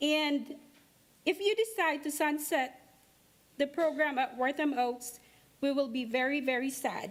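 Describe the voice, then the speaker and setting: Speaking with a Filipino accent, a woman keeps her loudness very even at a high pitch, with ordinary pitch variation and long, frequent pauses. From Philippines. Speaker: parent speaking at public comment. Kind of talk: public comment statement. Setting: school board meeting room.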